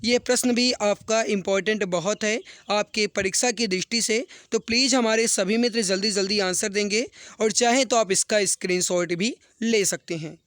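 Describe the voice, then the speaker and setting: Male exam tutor, sore throat. High, smooth voice, dry close sound. Earnest and encouraging, repeats every question. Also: moderate pace, hardly any pauses, fairly bright tone, no room sound. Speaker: exam-prep teacher. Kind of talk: online exam practice class.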